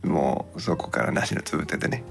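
A man hosting a podcast in casual chat, explaining things haltingly in polite but relaxed speech. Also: extremely low pitch, gravelly, faint music behind. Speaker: podcast host.

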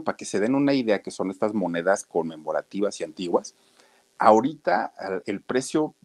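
A man's voice: low voice, a little mellow. A man with a Mexican accent telling a story to viewers in a chatty, folksy way, talking straight to his listeners. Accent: Mexican Spanish.

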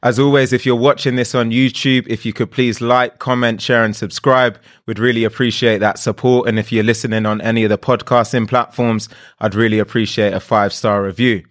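A man's voice: medium pitch, flat delivery, fairly quick, dry recording, clean studio sound. A young man hosting a podcast interview, upbeat and enthusiastic with his guest. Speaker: podcast host.

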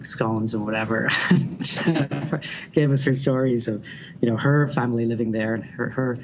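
Here the same Dublin-accented, middle-aged architect from Ireland sounds medium-pitched and steady, with vocal fry and a normal speaking speed. Amid heavy background noise, he rambles thoughtfully through a casual interview, often restarting and using fillers.

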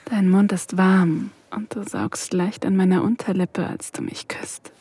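A breathy, whispering young student. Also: female voice, mid-range voice, fairly even intonation, a little slow. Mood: intimate. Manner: soft, breathy, often whispered. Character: nervous, yearning young female student. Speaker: first-person narrator and student. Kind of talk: intimate first-person audio drama narration.

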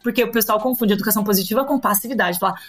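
A woman's voice: medium pitch, racing, soft background music. A woman teacher and parenting educator with a Brazilian Portuguese accent, talking animatedly in a podcast interview and often turning to the listeners. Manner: animated, keeps addressing listeners, acts out quotes.

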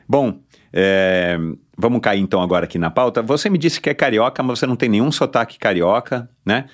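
Man, interview host, very low voice, affirming, long rambling questions. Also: brisk. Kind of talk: casual interview talk.

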